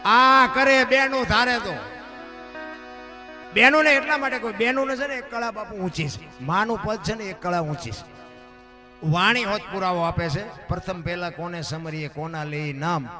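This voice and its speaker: A man's voice: sits high, moderate pace. A man performing folk storytelling on stage, voicing the characters in his tales with dramatic swings. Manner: dramatic storyteller who voices characters in quotes. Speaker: dayro storyteller. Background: music.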